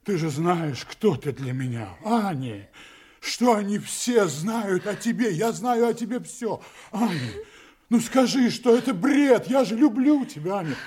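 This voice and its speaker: An actor playing a domineering, desperate secret agent in an audio drama, emotional and insistent, swinging from coaxing to menace. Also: male voice, high-pitched, animated, unhurried, darkish tone, slightly rough, heavily acted. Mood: desperate, pleading.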